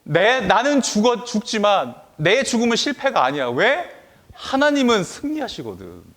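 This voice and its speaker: A man voicing a young shepherd boy who calmly accepts he may die, in a sermon. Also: high-pitched, normal speed, pitched above the performer's own voice, heavily acted. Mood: resolved.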